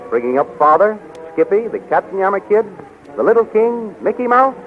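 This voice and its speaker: A man's voice: high-pitched, sing-song, normal speed. A man narrating and announcing a radio serial in a dramatic, declamatory 1930s style. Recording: tinny, noisy 1930s radio recording.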